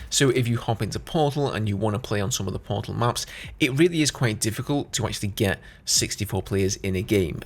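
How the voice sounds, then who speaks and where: A man giving casual, conversational gaming news commentary as a YouTuber, explaining things as he goes. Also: fairly low pitch.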